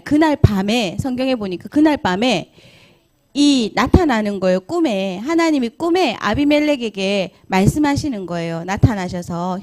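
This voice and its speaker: A middle-aged woman teaches Sunday school, telling a Bible story straight to the children. Her voice sits a little high and moves up and down a lot as she acts out what each figure says. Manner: lively storytelling, acting out the figures' lines; talks directly to the children.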